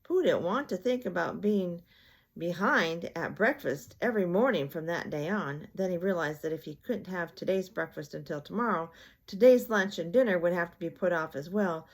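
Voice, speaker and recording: A woman's voice: lowish voice, animated, normal speed. An older woman reading a children's bedtime story aloud as a storyteller.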